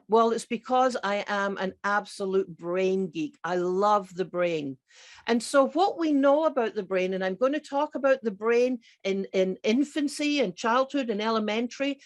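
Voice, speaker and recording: A middle-aged woman with a Scottish accent, giving an emphatic, enthusiastic conference talk as a psychiatrist who repeats her key words. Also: medium pitch. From grew up partly in Scotland. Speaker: psychiatrist and keynote speaker. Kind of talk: conference presentation.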